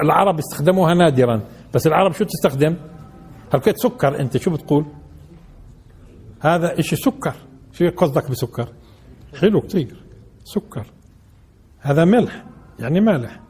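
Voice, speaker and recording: A man's voice: a little high, darkish tone, husky. A man teaching a class, asking his listeners questions and repeating key words. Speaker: sheikh teaching Quran commentary. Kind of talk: classroom lesson in colloquial Arabic.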